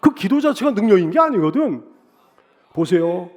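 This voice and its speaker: Man, pastor, Sunday sermon, high-pitched voice, emphatic repetition, rhetorical questions, loud peaks and low dips. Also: very animated, moderate pace. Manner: swells louder on key phrases, drops low on others.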